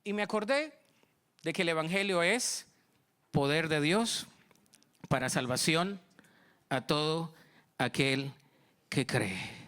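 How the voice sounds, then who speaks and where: Colombian guy preaching, high bright voice, animated storytelling in church. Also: slow, long pauses. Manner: storytelling, acting out dialogue, animated. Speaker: pastor. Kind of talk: sermon.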